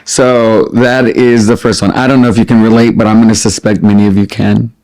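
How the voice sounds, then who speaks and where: A middle-aged man chatting casually as a vlogger, expressive and prone to wandering off on tangents as he answers questions. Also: lowish voice, fairly quick. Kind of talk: casual chat to camera, answering listed questions.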